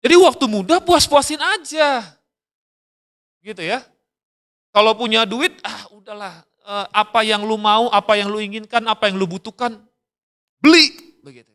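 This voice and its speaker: A man's voice: sits high, moderate pace, long pauses, a bit bright. A middle-aged man, preaching a casual, slangy youth sermon and acting out quoted voices. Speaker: youth pastor.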